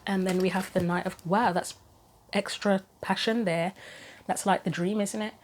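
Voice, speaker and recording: A woman giving a chatty solo tarot reading and reading guidebook passages aloud, her voice going hoarse. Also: mid-range voice, fairly even intonation, moderate pace, slight background noise. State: losing her voice, throat going. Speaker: tarot reader.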